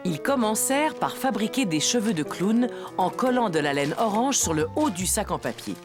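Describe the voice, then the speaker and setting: A woman narrating a children's cartoon story in a gentle storytelling manner. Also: mid-range voice, lively intonation, moderate pace, lightly acted. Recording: music behind the voice.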